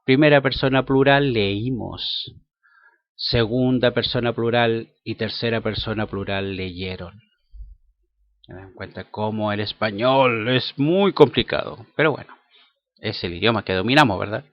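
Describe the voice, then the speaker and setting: Slow-talking man teaching English. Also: on the low side. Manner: slow, careful, spells words letter by letter. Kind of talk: bilingual language lesson. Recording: dull lo-fi sound.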